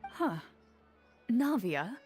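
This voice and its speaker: A woman playing a composed, serious young woman with a measured, matter-of-fact manner in a video game. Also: fairly high pitch, sing-song, darkish tone, heavily acted. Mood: thoughtful. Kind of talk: anime-style video game voice acting. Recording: music under the voice.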